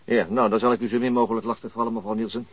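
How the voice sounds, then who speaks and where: An actor playing a reserved, polite police chief inspector in a naturalistic radio drama, speaking in a laconic, formal and hesitant way. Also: male voice, mid-range voice, steady tone, rapid-fire, vocal fry, no room sound. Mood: formal, measured.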